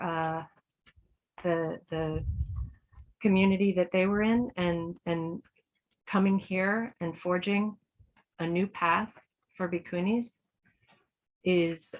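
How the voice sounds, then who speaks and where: A woman giving a heartfelt speech at a ceremony, halting and hesitant, with many pauses and fillers. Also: lowish voice, low-quality recording. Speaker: event co-sponsor.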